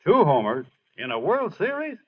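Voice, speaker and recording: A modest, earnest baseball star in a 1940s radio drama. His voice is husky, plain-spoken and a little bashful. The recording sounds dull and old. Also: a little high, huge pitch swings, normal speed, exaggerated voice. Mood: gentle, encouraging. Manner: plain-spoken, hesitant, understated. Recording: muffled old radio broadcast.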